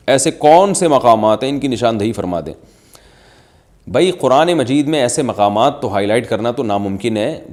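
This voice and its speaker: A man's voice: medium pitch, a little mellow. Man explaining religious rulings step by step. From Pakistan. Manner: explains step by step with plain examples. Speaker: Islamic scholar answering questions. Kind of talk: reading and answering viewer questions.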